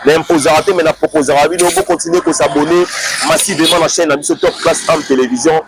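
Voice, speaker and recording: A man's voice: fairly high pitch, fairly even intonation, fast, gravelly, noisy background. A man with a Congolese French accent hosting a casual talk show, rambling with lots of fillers and restarts, recorded outdoors. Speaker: host. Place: outdoors in a busy street area.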